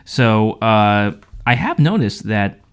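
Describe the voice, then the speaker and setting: A man's voice: on the low side, very animated, takes it slowly, clear, resonant tone. Easygoing Midwestern man reading news. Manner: easygoing, reads news items then riffs. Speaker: podcast co-host. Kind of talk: casual chat and news reading.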